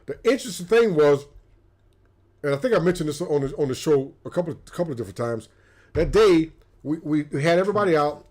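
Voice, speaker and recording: A man's voice: on the high side, lively intonation, fast, a little mellow. A man, co-hosting a casual livestream and telling stories with lots of repeated words. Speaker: co-host. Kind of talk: casual storytelling chat.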